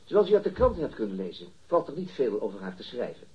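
Brisk, husky-voiced police detective. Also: male voice, mid-range voice, sing-song, mellow, muffled recording. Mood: insistent, pressuring. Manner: formal, measured politeness, insistent. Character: male police detective inspector, formal, persistent, coolly pressuring. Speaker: interrogating police officer. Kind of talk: radio drama dialogue, interrogation.

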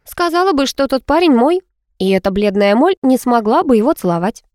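Woman voicing a chatty, teasing college girl for an audiobook; high and lively, dry close sound. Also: fairly quick, no echo. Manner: teasing, excitable. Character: giddy chatty female student friend.

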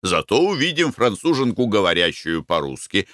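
A man's voice: fairly low pitch, sing-song, moderate pace, fairly bright tone, no echo, clean studio sound. A man voicing a bluff, easygoing middle-aged Russian merchant with a blunt, hearty manner.

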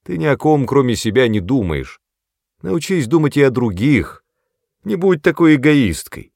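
A man's voice: medium pitch, animated, normal speed, no echo, studio quality, pitched above the performer's own voice, natural voice. A man reading a storybook voicing an irritable, self-important young brother who snaps sharply. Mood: angry. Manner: sharp, snapping, louder than the narration. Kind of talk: audiobook character voice.

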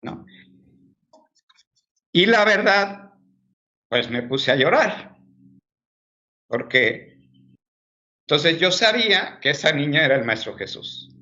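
A man from Mexico tells a spiritual anecdote in earnest, circling back over his points as he goes. His voice sits a little high and sounds bright. It comes through dull, lo-fi video-call audio. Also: very animated, takes it slowly, long pauses. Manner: earnest, anecdotal, repeats himself. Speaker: guest. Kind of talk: spiritual storytelling in a conversation.

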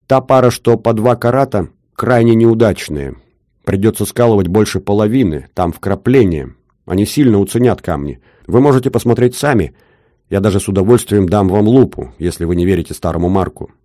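A man's voice: on the low side, lively intonation, brisk, warm tone, no room sound, clean studio sound, natural voice. A man putting on a haggling old Odessa jeweler. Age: older. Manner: wheedling, sing-song bargaining patter. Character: shrewd older male jeweler, haggling, fussy.

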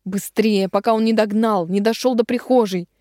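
A woman voicing a fiery young woman who pleads, shouts and turns coldly angry, read in an audiobook. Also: mid-range voice, steady tone, normal speed, dry recording, studio quality, natural voice. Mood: frantic. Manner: pleading then shouting, sharp and cold.

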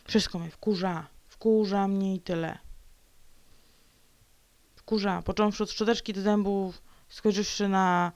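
Woman vlogger, solo grumbling monologue, gravelly texture, dry close sound, sulky rants with whispered asides and mock growls. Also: medium pitch, steady tone, takes it slowly, pauses often, darkish tone, dry recording, muffled recording. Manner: sulky ranting, dips into whispered mutters; playful growls and repetitions.

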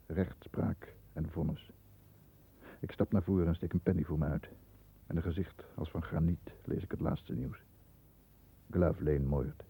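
A man acting a stern, proud middle-aged lawyer in a 1960s radio play, speaking with formal, measured diction. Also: very deep voice, vocal fry, mellow, husky, heavily acted. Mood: grim, agitated. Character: stern, proud male lawyer protecting the family name. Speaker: actor in a radio drama. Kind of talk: 1960s Dutch radio play acting, first-person narration and dialogue. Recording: muffled, thin 1960s radio recording.

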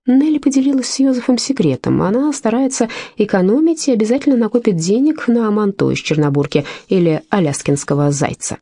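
Expressive woman reading a novel. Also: mid-range voice, breathy edge, no room sound. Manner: measured, expressive reading with lively intonation. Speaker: audiobook reader. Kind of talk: literary audiobook narration.

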